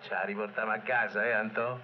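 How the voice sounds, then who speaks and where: A man's voice: on the low side, flat delivery, quick pace, close to an everyday voice. Male actor as down-to-earth Roman pal, reassuring dialect speech, dull vintage film track with music behind. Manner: colloquial Italian dialect, matter-of-fact. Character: burly, practical, reassuring working-class friend, adult man. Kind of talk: 1940s Italian film acting in Roman dialect.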